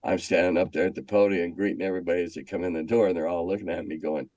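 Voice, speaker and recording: An older American man reminiscing in a casual, halting, anecdotal way, often repeating himself as he goes. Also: low voice, steady tone, a little mellow, dry recording. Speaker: guest, former schoolteacher. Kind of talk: casual storytelling interview.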